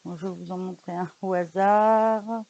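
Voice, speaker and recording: A woman's voice: on the low side, fairly even intonation, a little slow, vocal fry, warm tone, dull audio. A woman vlogger in casual chat, showing books she bought, hesitant with frequent fillers and restarts, recorded indoors at home. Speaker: vlogger showing a book haul.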